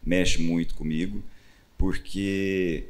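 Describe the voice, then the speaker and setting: A male pastor with a Brazilian Portuguese accent teaches the Bible in conversation, telling the story with animated bursts and acting out quoted lines. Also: deep voice, takes it slowly.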